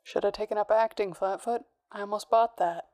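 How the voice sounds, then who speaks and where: A woman's voice: mid-range voice, fairly even intonation, fairly quick, a little mellow, natural voice. A woman playing a tough, sardonic, wisecracking crime boss in a noir audio drama, with a clipped, threatening manner. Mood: wry. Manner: sardonic, hard-boiled, clipped.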